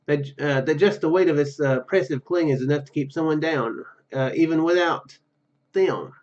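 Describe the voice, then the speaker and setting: A man hosting a gameplay video, reading story narration aloud haltingly with casual comments. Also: on the high side, darkish tone, muffled recording. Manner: halting reading, stumbles and repeats words. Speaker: gaming video host.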